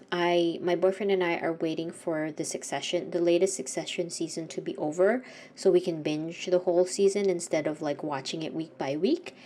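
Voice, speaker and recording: With a fairly low voice and slight background noise, the young woman rambles softly while painting in her home studio. Her nose is congested, she sniffles, and she often stops to correct herself.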